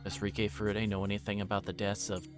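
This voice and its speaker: A man with a fairly low voice reads visual novel text aloud for a livestream. He narrates in first person and now and then trips on a word and corrects it. Soft music plays behind him. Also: monotone, fairly quick. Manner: reads in first person with occasional stumbles over words. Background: game music.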